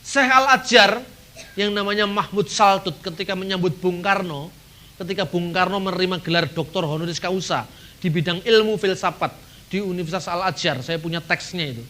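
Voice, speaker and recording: A middle-aged man from Indonesia giving an animated seminar talk, acting out dialogues and chuckling now and then. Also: sits high, moderate pace. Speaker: seminar speaker.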